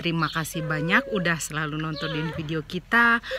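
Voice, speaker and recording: Against noticeable background noise, a woman speaks at a moderate pace with a fairly low pitch. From Indonesia, South Sumatra (Pagar Alam), later Bandung. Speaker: vlogger. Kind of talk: casual vlog.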